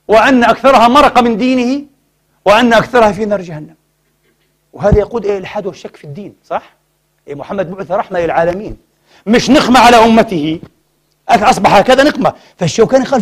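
Fast, high-voiced male preacher. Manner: rhetorical questions, swings from loud emphasis to hushed asides. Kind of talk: mosque sermon. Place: mosque.

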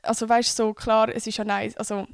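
A woman's voice: on the high side, little pitch movement, brisk, smooth, dry recording, studio quality. Chatty young Swiss woman podcasting. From Switzerland. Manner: chatty, frequent fillers and English slang. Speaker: podcast host. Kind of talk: casual podcast monologue.

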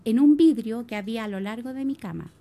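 A middle-aged woman with a Chilean accent giving a spoken religious testimony to a congregation, telling her story in an animated way and calling her listeners brothers. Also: on the high side, fairly quick. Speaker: church member giving testimony.

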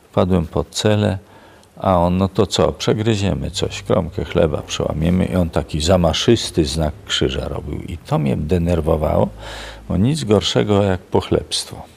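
Older man, prison chaplain, very gravelly, husky, deep voice, reflective storytelling. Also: a little mellow. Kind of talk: storytelling in a radio interview.

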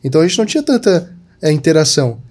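Big pitch swings mark this young man's a-little-high, darkish voice as he races through a casual podcast chat. A digital marketer from Santa Catarina in southern Brazil, he leans constantly on "tipo" and "sabe."

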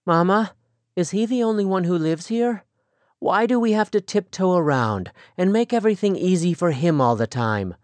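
A man's voice: high voice, expressive, moderate pace, no room sound, voice pushed up. A man voicing an eager young Amish woman. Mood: frustrated. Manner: earnest, pleading, eager. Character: spirited young Amish woman, restless and idealistic.

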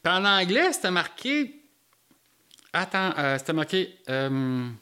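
A man with a Québécois French accent, telling a personal story in an animated way with local slang. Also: high-pitched, takes it slowly, clear, resonant tone.

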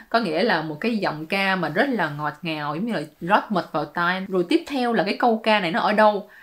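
A woman, giving casual, playful commentary as a YouTuber explaining her song-lyric translations and dropping English words into her talk. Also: mid-range voice.

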